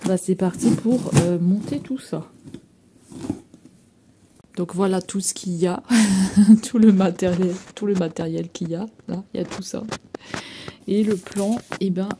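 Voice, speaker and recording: A woman in her thirties rambles casually in a home vlog filmed in her kitchen, using lots of fillers and slang. Her voice is fairly low and mellow, with a faint hiss or hum in the recording.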